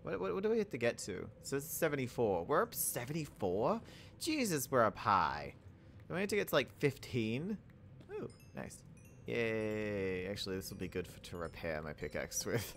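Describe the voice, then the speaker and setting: A young man giving casual let's-play commentary while playing, rambling and self-mocking, quick to laugh and exclaim. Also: mid-range voice, sing-song, fairly bright tone, a little hiss or hum. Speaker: gaming YouTuber.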